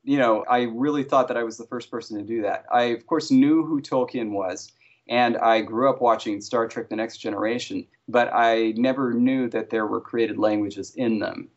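Gravelly-voiced man chatting wryly. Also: mid-range voice, moderate pace. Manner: relaxed, chatty, wry jokes. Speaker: interview guest, language creator. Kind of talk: casual interview conversation. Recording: slightly dull lo-fi audio.

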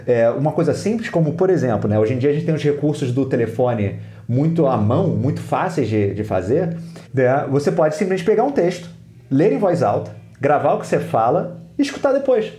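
A Brazilian Portuguese-accented teacher, appearing as a guest on a podcast interview, explains tips and acts out students' inner voices. His voice is on the high side with big pitch swings, fairly quick and mellow, in a roomy-sounding space.

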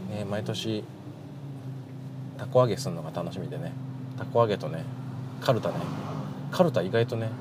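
Low voiced guy from shizuoka doing a chatty radio style podcast, super polite japanese, clear street and car noise behind. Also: normal speed, long pauses. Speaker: podcast host, greengrocer. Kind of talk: casual solo radio-style chat. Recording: noisy, with car and outdoor street sounds.

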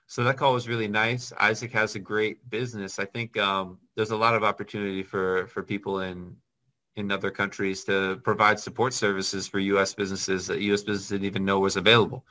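Man, business host, lowish voice, bright forceful tone, chatty and friendly. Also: level tone, fairly quick. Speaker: business consultant and channel host. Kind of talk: casual video call, then talking to camera.

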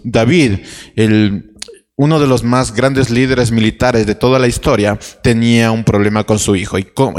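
A man's voice: medium pitch, in a large hall. A man preaching a sermon, telling a Bible story with restarts and rhetorical questions.

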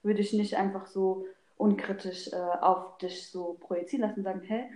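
A woman with a mellow, soft-edged voice talks through her views in a casual discussion. She explains as she goes and drops in the odd English word. The room around her is clearly echoey. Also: medium pitch, little pitch movement, a little fast. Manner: explanatory, peppered with English loanwords. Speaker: discussion participant. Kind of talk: casual opinionated group discussion.

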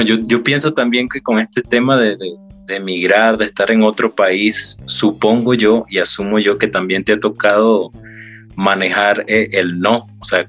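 Male podcast host, lowish voice, relaxed chatter over faint guitar. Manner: friendly, chatty, with fillers. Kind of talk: casual podcast conversation. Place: remote podcast call, based in Costa Rica.

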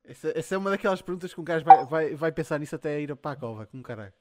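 A man's voice: on the high side, lively intonation, rapid-fire, crowd noise. A man with a European Portuguese accent hosting a livestream in a casual, sweary chat style. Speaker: livestream host.

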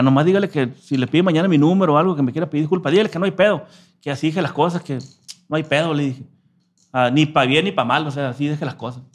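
A man from telling a story in a casual interview, slangy and profane. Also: a little high. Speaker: musician guest.

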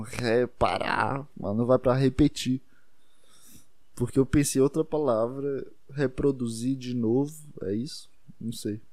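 A man's voice: medium pitch, mellow, no room sound, clean studio sound. A young man with a Brazilian accent telling a rambling, self-deprecating story in a casual monologue, swearing freely along the way. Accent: Brazilian Portuguese.

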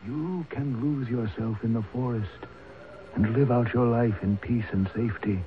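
An actor playing a solemn, fatalistic old uncle, a tribal elder who speaks slowly and formally in a radio drama. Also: male voice, mid-range voice, steady tone, lightly acted. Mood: solemn foreboding. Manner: slow, measured, formal speech. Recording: tinny, hissy old radio broadcast.

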